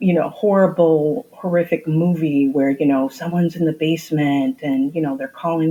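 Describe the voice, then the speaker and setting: A woman speaks with a Midwestern US accent in a very deep, low voice. Her tone is dark and mellow, and her intonation stays fairly even. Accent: Midwest nasal. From US Midwest, Waukegan, Illinois. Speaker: true crime podcast host. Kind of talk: interview.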